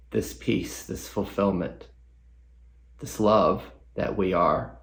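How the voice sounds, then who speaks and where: Male meditation teacher, gravelly fry, lowish pitch, gentle, reflective, frequent pauses. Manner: gentle, pausing, reflective questioning. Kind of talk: guided meditation.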